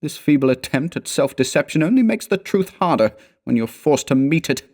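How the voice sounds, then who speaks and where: A man's voice: mid-range voice, expressive, moderate pace, a little mellow, voice pushed up, close to an everyday voice. A man voicing a grave, frightened and fatalistic canoe companion in a storybook, speaking with intense foreboding. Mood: grave, resigned. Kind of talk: storybook character dialogue.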